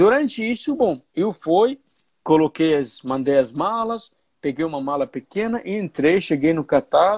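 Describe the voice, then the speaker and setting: A man speaks very slowly with an Arabic accent, his pitch swinging very widely. The recording is very clean and dry, close with no echo, over a silent background. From Syria, Aleppo. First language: Arabic (speaking Portuguese). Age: 30s. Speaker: refugee activist and speaker. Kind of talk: interview testimony. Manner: halting, many fillers.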